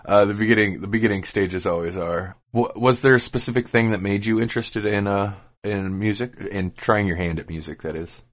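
Man, radio interview host, fairly low pitch, casual laid-back phrasing, conversational questions. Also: a little fast, few pauses.

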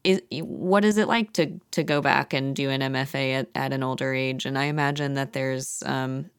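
A woman in her thirties hosts an interview over a video call, her voice on the low side. The sound is dry and close. She talks chattily and breaks into laughter easily. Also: fairly even intonation, normal speed, clean tone, no echo. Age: 30s. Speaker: podcast host. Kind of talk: casual interview chat.

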